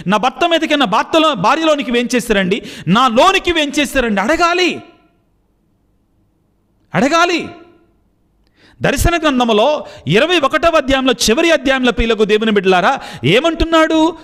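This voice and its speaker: Fired-up catholic priest preaching, guy with a high voice that swings way up and down. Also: lively intonation, moderate pace, pauses often, fairly bright tone. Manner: impassioned preaching, rising high on appeals. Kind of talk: sermon and spoken prayer.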